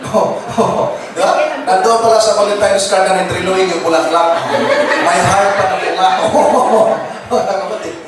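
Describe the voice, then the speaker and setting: Recorded from afar in a noisy, very echoey church with loud music behind him, a male pastor speaks in a high-pitched, fairly even voice at normal speed. He jokes and laughs a lot with the congregation, drops in English words, and keeps addressing brothers and sisters.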